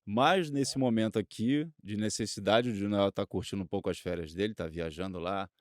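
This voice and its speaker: Low-voiced Brazilian man, dry sound. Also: normal speed, no echo. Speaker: stand-in co-host. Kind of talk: casual conversational chat.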